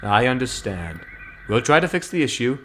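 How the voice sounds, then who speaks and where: A man's voice: medium pitch, very animated, moderate pace, fairly bright tone, a little hiss or hum. A man voicing a firm but fair middle-aged railway boss in a formal, authoritative manner, in a storybook reading. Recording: music playing clearly behind.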